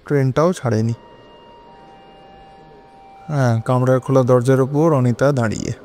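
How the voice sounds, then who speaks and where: Guy acting nervous hesitant man in a radio play, medium pitch, broken little phrases, music underneath. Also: steady tone, moderate pace, mellow, close to an everyday voice. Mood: anxious. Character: anxious, hesitant widowed lover narrating his own unease. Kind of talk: Bengali audio drama narration and dialogue. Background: dramatic music.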